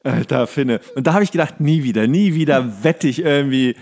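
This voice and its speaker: A man's voice: medium pitch, brisk, darkish tone. A man co-hosting a podcast in casual banter, with a colloquial, exasperated, teasing way of talking. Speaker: podcast co-host. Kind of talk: casual banter between friends.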